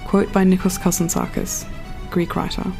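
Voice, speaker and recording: A woman's voice: on the low side, level tone, normal speed, gravelly, a little mellow. Lofty, poetic woman artist over music. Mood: wistful, yearning. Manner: lofty, poetic, self-assured. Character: proud, dreamy, perfectionist artist designing a spaceship. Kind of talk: sci-fi audio drama monologue.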